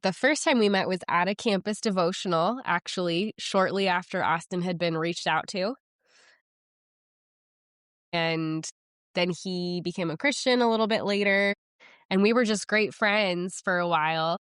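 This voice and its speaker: Woman in her thirties, lowish smooth voice. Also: normal speed, a bit bright, dry recording, studio quality. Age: 30s. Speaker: missionary guest. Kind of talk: conversational interview.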